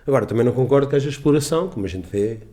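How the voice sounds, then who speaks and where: A middle-aged Portuguese business owner tells stories on a radio interview in a studio, his medium-pitched, mellow voice racing along expressively. He rambles emphatically, restarting sentences and quoting dialogue.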